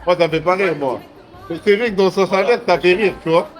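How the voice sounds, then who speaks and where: A man's voice: sits high, quick pace, a crowd in the background. A young man vlogging casually to the camera as he travels, in hyped, slangy street talk. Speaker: entrepreneur vlogger. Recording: noisy traffic and street background.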